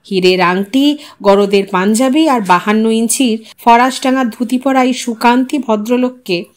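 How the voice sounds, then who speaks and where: A woman reading a literary short story as a scripted, expressive audio narration. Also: on the high side. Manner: acts out the characters' dialogue.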